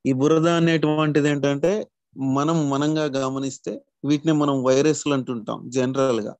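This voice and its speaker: Guy teaching a spiritual class, kinda high voice, explains stuff step by step. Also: steady tone, moderate pace, a little mellow, dry recording. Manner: explanatory, addresses listeners as masters.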